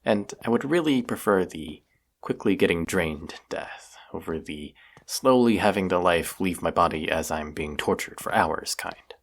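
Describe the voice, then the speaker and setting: Casting: male actor as stubborn wounded monster hunter, deep creaky voice, sarcastic and teasing, roleplay audio drama. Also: expressive, measured pace, exaggerated voice. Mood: wary, wry. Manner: sarcastic, grumbling banter.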